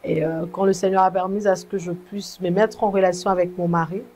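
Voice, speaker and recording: A young Congolese woman telling her life story in an interview, measured and earnest, often pausing and restarting. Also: lowish voice, fairly even intonation, dark tone, slight background noise. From Congo (DRC). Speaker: guest, gospel singer. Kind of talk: testimony interview.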